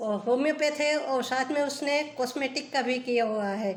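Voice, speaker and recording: A woman's high-pitched voice. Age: 60s. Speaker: housewife, club member. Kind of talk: self-introduction.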